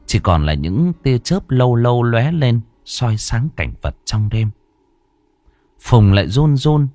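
A man's voice: mid-range voice, sing-song, slow, a little mellow, no room sound. A man narrating a ghost story in a dramatic, suspenseful way.

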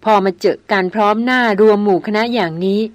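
A proud young noblewoman, headstrong and firm, who keeps insisting on getting her way, as a woman reader voices her. Her mid-pitched voice sounds dry and close, with no room around it. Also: a little fast, no room sound, lightly acted. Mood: insistent.

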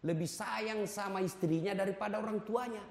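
A man's voice: high-pitched, fairly even intonation, moderate pace. A male Islamic preacher from Indonesia delivering a humorous sermon, teasing and exhorting his audience directly. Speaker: ustadz, preacher. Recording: echoey hall with long reverb.

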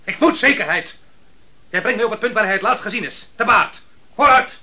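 Imperious, sharp-voiced army commander. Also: male voice, high voice, lively intonation, full character voice. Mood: furious, shouting. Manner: commanding, curt, quick to bark orders. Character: imperious, impatient ancient army commander, gruff and scornful. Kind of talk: Dutch radio play acting.

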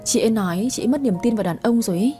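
A woman's voice: on the high side, expressive, rapid-fire, mellow, soft background music, natural voice. A woman voicing a young, outspoken female coworker who loves to gossip. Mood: gossipy. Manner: gossipy, blunt, chatty.

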